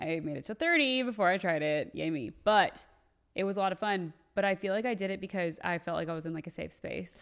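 The recording is very clean, with a silent background. A woman speaks at a very fast pace. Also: medium pitch for a woman, ordinary pitch variation. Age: 30s. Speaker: podcast guest, mother and best friend of host. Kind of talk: casual chat.

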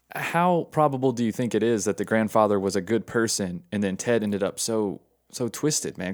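With an American accent and an ordinary speaking voice, a man talks at a fairly quick pace with a medium pitch and ordinary pitch variation, recorded very cleanly against a silent background. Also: hardly any pauses. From North Carolina. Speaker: true crime podcast co-host. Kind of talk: casual chat.

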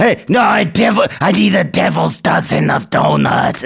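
A man puts on a raspy character voice at a fairly slow pace. Faint music plays in the background. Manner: weird Satanist, theatrical.

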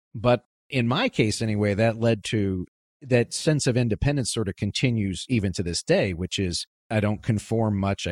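An unremarkable speaking voice, belonging to a man with a fairly low pitch and ordinary pitch variation, moving at a moderate pace. The recording is very clean with a silent background and a dry, close sound with no echo. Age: 40s. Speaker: political podcast host. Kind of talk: interview podcast.

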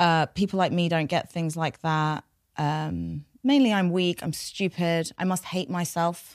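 A woman with a London accent, at a fairly slow pace. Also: fairly low pitch for a woman, ordinary pitch variation. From North London, England. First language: Farsi. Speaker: behaviour change specialist, author. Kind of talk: interview conversation.

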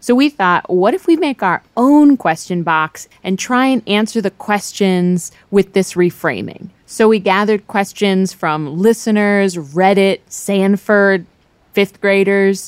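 A woman with an ordinary speaking voice talks at a fairly slow pace, with medium pitch and ordinary pitch variation. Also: dry, close sound with no echo. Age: 30s. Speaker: radio host. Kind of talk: scripted narration. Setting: stage with audience.

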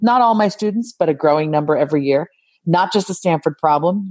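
Speaking at a fairly quick pace, a woman uses lively intonation in a dry, close recording with no echo. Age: 50s. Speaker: author, former university dean. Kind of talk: interview.

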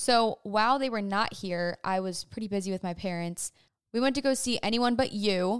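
Her tone animated, a woman speaks at a medium pitch with ordinary pitch variation. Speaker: podcast host. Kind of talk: casual solo chat. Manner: fast.

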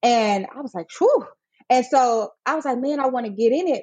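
Over a quiet background, a woman with an American accent uses an ordinary speaking voice, fairly high in pitch with ordinary variation, at a moderate pace, in a dry, close sound with no echo. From US South, Atlanta, Georgia. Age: young. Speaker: entrepreneur. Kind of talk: casual interview.

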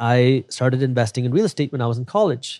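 Speaking fairly quickly at a medium pitch with ordinary pitch variation, a man is heard dry and close with no echo, on a very clean recording with a silent background. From Michigan, US; Punjabi Indian immigrant family. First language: Punjabi. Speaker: finance content creator. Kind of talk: interview conversation. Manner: animated.

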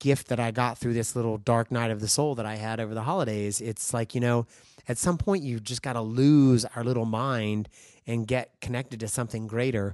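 Over a quiet background, a man with an American accent talks in an unremarkable speaking voice at medium pitch, with a moderate pace and fairly even intonation. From US South, North Carolina. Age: 50s. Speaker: celebrity fitness trainer. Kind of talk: casual chat.

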